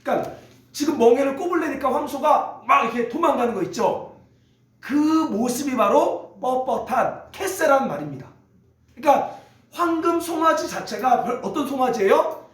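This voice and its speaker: Male pastor, high voice, animated sermon, call-and-response, echoey church hall. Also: normal speed. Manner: call-and-response preaching, prompting the congregation to repeat; lively, teasing Bible teaching. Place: church sanctuary.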